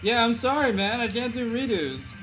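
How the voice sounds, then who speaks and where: A man's voice: extremely high pitch, animated, normal speed. A young man livestreaming while he draws viewers' characters, chatting loosely with his chat. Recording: music playing behind.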